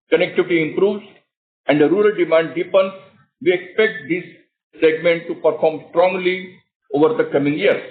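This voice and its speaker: Higher-pitched Indian businessman on phone line. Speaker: company executive on an earnings call. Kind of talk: scripted corporate presentation. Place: conference call. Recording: narrow, tinny phone conference line.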